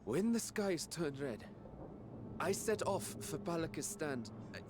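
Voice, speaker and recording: Halting, slow-spoken humble fisherman. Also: on the high side, very animated, background noise. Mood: nervous, fearful. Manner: halting, stammering. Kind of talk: dramatic video game acting. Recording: music under the voice.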